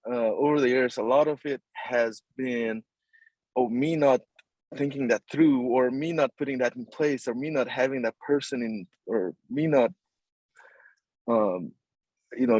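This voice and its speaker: A man's voice: mid-range voice, darkish tone, no echo, poor audio. A man from Nepal, a construction company chief, answering interview questions casually, with many fillers and restarts and a polite "yes, sir". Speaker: construction company CEO, guest.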